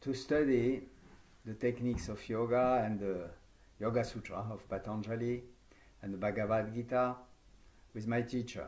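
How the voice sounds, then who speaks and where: A man with a French accent, fairly even intonation, long, frequent pauses, and audible room echo. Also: medium pitch for a man, moderate pace. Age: 70s. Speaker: yoga teacher trainer. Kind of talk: conference talk. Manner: formal.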